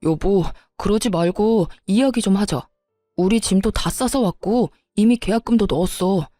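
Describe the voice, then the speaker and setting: A woman's voice: medium pitch, normal speed, warm tone, no room sound, soft background music, close to an everyday voice. A woman voicing a desperate husband who begs and then threatens by turns, in a narrated story. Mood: pleading. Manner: begging then threatening, flip-flopping. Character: desperate pleading husband, quick-tempered, married man. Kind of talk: story narration with voiced dialogue.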